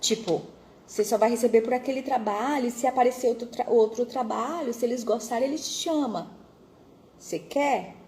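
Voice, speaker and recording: A woman's voice: fairly high pitch, moderate pace, darkish tone, reverberant, slight background noise, close to an everyday voice. Woman doing her cautious Brazilian friend. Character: friendly female friend giving job advice.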